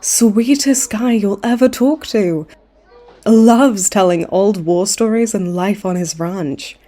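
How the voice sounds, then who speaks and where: Woman playing a cocky, mellow-voiced supervillain. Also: mid-range voice, slow pace. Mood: breezy, boastful. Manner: breezy, teasing, smug. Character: cocky, cheeky supervillain woman, a chummy hospital frequent flyer. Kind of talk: comedy audio roleplay acting.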